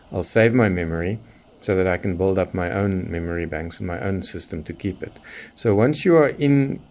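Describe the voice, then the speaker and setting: Deep-voiced man, gravelly. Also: a little mellow. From Southern Africa. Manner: methodical, explanatory. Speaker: shortwave radio hobbyist presenting a tutorial. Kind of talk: unscripted product demonstration.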